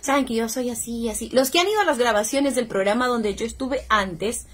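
Chatty husky woman. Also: a little high, a little fast, fairly bright tone. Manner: chatty, rambling, repeats phrases. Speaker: livestream host. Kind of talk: casual faith-based livestream talk. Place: home.

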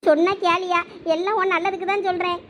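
A woman's voice: extremely high pitch, level tone, quick pace, a bit bright, slight background noise. A woman playing a pleading superstitious mother. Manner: pleading, coaxing. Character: fretful superstitious village mother. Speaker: actor in a comedy skit. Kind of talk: village comedy skit acting.

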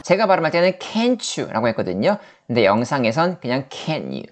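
A man's voice: medium pitch, sing-song, normal speed, soft background music. A man teaching English in Korean in an online lesson, whose first language is Korean and who explains step by step and keeps checking in with "right?".

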